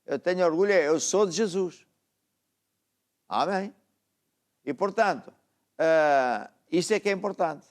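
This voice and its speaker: A man's voice: high voice, unhurried, pauses often. A middle-aged man with a European Portuguese accent, preaching a sermon and exhorting his listeners, then praying over them. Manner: exhorting, asks "está a ver?" often. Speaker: apostle preaching. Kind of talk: sermon with closing prayer.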